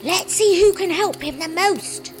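An eager male monkey from a storybook, as a woman narrator puts him on, chattering in a very high, squeaky voice. His excited manner makes every line sound urgent. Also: a little slow, soft background music.

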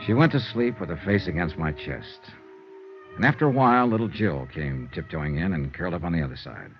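An actor playing a tough but tender private investigator who narrates a 1950s radio drama in a steady, reassuring way. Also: male voice, sits low, fairly quick, soft background music. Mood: narrating. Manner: steady, reassuring, hushed when comforting. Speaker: narrator and lead. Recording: dull old radio broadcast, faint hiss.

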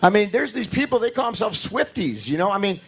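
Hoarse, high-pitched preacher man. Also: very animated, fairly quick. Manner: preaching with rising emphasis and repetition; talks to the congregation directly, asking for amens. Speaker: pastor. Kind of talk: sermon.

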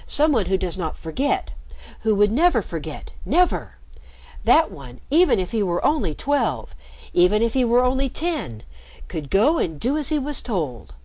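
A woman's voice: medium pitch, big pitch swings, normal speed, darkish tone, no room sound, voice pushed up. A woman voicing an earnest, brave young boy who speaks with resolve.

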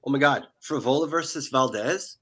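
Guy cohosting a fight stream, bright sharp voice, super animated, acts out what people said. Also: medium pitch, normal speed. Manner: animated storytelling, acts out quotes. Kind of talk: casual live commentary chat.

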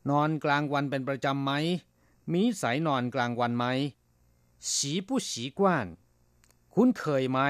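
A man's voice: medium pitch, dry recording, studio quality. A man teaching Chinese vocabulary on a radio lesson, explaining each word patiently and repeating it.

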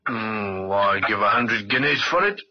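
An actor playing a fussy, absent-minded older jeweller, husky and musing, in an old-time radio drama. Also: male voice, fairly low pitch, lively intonation, a little slow. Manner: musing, muttering. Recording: dull, lo-fi vintage radio recording.

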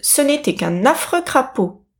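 A pampered young princess whose high voice turns plaintive and pleading when she speaks, as a woman reader puts her on. She sounds spoiled and a little whiny, like a storybook princess who is used to getting her way. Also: very animated, measured pace, exaggerated voice. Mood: disdainful.

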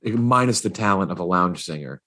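A man hosting a podcast in casual banter, his voice raspy and hoarse from a cough and voice loss. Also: sits low, expressive, normal speed, pushed and bright. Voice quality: very raspy, husky voice. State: hoarse from an allergic cough and lost voice. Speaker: podcast host.

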